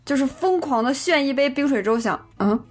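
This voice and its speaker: A woman's voice: high voice, fast talker. A woman co-hosting a casual podcast chat, telling stories with lots of laughter and acting out the voices she quotes. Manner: lively storyteller, laughs often, acts out quoted voices. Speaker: podcast co-host.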